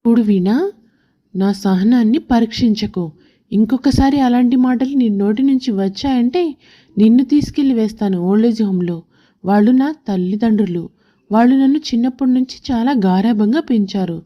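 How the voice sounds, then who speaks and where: A woman's voice: on the high side, moderate pace, mellow, lo-fi sound, close to an everyday voice. A woman voicing a stern husband in a story, a protective son who scolds and admonishes. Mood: angry warning.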